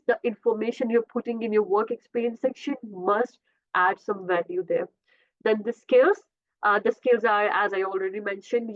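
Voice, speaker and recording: A woman whose first language is Urdu talks through career tips on a webinar. Her voice sits in a middle register, and she keeps correcting herself with small uh sounds. The audio is narrow and phone-like. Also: mid-range voice. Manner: repeats and self-corrects, frequent uh fillers. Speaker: career coach presenting a webinar. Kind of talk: informal presentation with slides. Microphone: video call. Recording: tinny phone-like video call audio.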